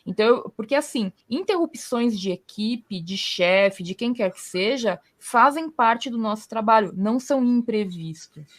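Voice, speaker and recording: A woman's voice: a little high, expressive, normal speed, hardly any pauses. A Brazilian woman hosting a casual talk, explaining her points with everyday examples. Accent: Brazilian Portuguese. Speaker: podcast host. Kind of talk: casual conversational advice.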